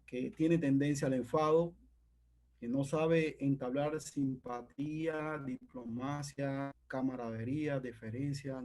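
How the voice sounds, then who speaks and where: A man's voice: fairly high pitch, a little mellow. A man preaching a sermon in an earnest, emphatic way, often checking in with his listeners.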